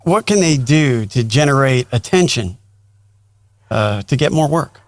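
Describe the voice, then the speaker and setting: A man's voice: mid-range voice, lively intonation, a little slow, no echo, studio quality. A man co-hosting a podcast, chatting and asking questions in an informal, jokey way. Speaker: podcast co-host. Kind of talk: casual interview chat.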